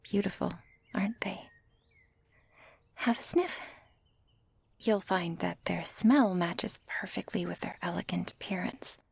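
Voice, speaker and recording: A woman's voice: fairly low pitch, measured pace, pauses often, no echo. A woman playing a friendly flower shopkeeper in a whispered ASMR roleplay. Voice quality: soft breathy whisper. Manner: friendly, softly welcoming.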